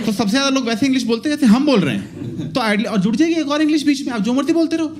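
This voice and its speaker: A man's voice: extremely high pitch, racing, a loud crowd. A man performing a stand-up comedy set, telling stories and acting out the dialogue. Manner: animated storytelling with acted-out dialogue. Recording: live stage set with loud audience laughter. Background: audience laughter.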